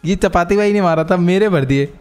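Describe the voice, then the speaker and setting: A young man streaming a game with friends, bickering excitedly and laughing often in casual chat. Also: high-pitched, brisk, clear, resonant tone, soft background music. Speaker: gaming streamer.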